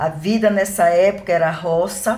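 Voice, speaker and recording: A woman's voice at medium pitch comes across somewhat breathy. Her intonation stays fairly even. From Brazil, rural interior of Maranhão. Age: 60s. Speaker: evangelical preacher. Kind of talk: casual religious video talk, personal testimony. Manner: informal, conversational.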